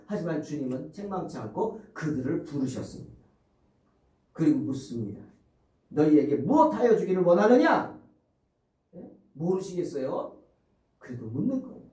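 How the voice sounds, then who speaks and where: A man's voice: sits high, darkish tone. A male pastor preaching a sermon with dramatic storytelling, asking the congregation rhetorical questions. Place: church sanctuary. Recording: roomy, distant church recording.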